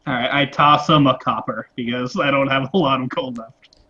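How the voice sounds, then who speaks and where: A man's voice: mid-range voice, steady tone, moderate pace, sharp tone. A man playing a tabletop game character, talking casually and a little sheepishly. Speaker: player. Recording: dull lo-fi mic.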